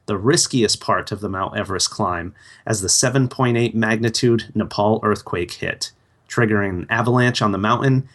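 A man's voice: medium pitch, fairly bright tone. A man co-hosting a podcast, politely introducing and questioning a guest. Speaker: podcast co-host. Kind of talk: interview hosting.

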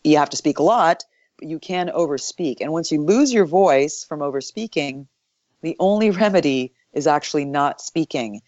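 A woman voice actor being interviewed, explaining her craft thoughtfully, her voice still deep from the morning. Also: expressive, normal speed, no room sound, dull audio. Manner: thoughtful, explanatory, with soft laughs. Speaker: voice actor guest. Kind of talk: interview answers.

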